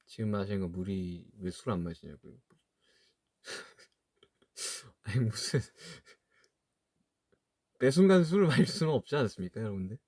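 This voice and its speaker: A man around thirty chatting casually to viewers on a livestream, musing aloud and trailing off with soft laughs. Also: lowish voice, animated, normal speed, pauses often, no room sound, clean studio sound. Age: 30s. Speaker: livestream host reading chat.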